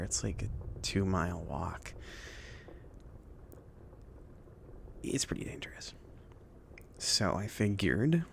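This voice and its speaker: A man playing a chill, friendly mage in an ASMR roleplay, speaking softly between whisper and murmur in a casual, hesitant, rambling way. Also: low voice, slight background noise, exaggerated voice. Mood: relieved, upbeat. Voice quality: soft, breathy whispering mixed with murmured speech. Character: chill, friendly male mage kindly outfitting his apprentice.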